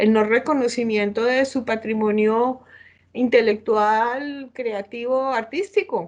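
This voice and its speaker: The background stays quiet while a woman talks at a high pitch. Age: 60s. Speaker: artist and educator. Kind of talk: webinar Q&A answers. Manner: halting.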